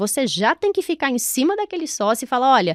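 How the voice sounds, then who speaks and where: A woman talks at a fairly quick pace with very wide pitch swings. The recording is very clean with a silent background, dry and close with no echo. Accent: slight Brazilian. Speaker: lawyer. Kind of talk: podcast interview.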